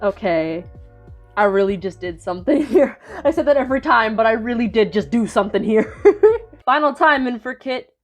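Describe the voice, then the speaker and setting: A woman's voice: medium pitch, brisk, soft background music. A young woman giving casual, giggly commentary while reading AI-written fanfiction aloud, swearing and restarting sentences often. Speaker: video creator.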